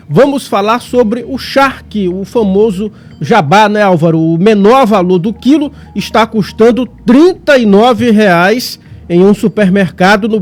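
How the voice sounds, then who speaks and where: High-voiced male news co-host. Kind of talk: reading a consumer news item.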